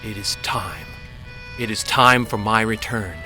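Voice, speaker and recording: A man's voice: lowish voice, unhurried, bright, forceful tone, faint music behind. An actor playing an awestruck, solemn man resolving to return home, in an audio drama. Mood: awed, resolute.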